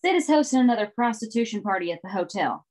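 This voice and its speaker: A woman's voice: medium pitch, animated, quick pace, a little mellow, lightly acted. A woman reading the part of an indignant, jealous wife, disgusted and moralizing, during a screenplay table read.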